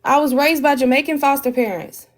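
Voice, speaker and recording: A woman with an African American Vernacular English accent argues casually on a live panel. She sounds defensive and halting, often restarting what she says. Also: high-pitched, steady tone.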